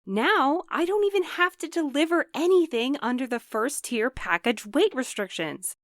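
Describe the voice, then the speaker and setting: A woman playing an earnest, cautious, gently optimistic mail courier in an audio drama. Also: high voice, lively intonation, moderate pace, no echo. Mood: earnest, hopeful. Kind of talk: naturalistic audio drama acting.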